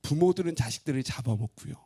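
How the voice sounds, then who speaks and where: A man pastor preaching a sermon expressively, asking his congregation questions and swinging between loud and hushed. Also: a little high, animated, fast talker, husky.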